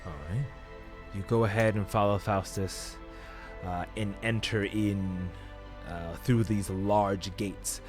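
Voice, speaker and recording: A man's voice: on the low side, steady tone, takes it slowly, music in the background. A man narrating as game master of a tabletop game, rambling with many fillers.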